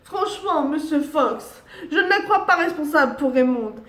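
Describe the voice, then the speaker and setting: A man's voice: extremely high pitch, expressive, moderate pace, sharp tone, roomy sound, exaggerated voice. A woman voicing a courteous man who works at a hotel, speaking politely and formally in a narrated game. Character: courteous male hotel worker, loyal friend.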